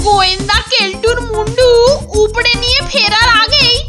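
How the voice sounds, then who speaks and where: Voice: very high-pitched, steady tone, normal speed, over music. A performer voicing a cheeky, wary young schoolboy sidekick in a cartoon, dramatic and wisecracking. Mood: nervous urgency. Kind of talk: cartoon voice acting.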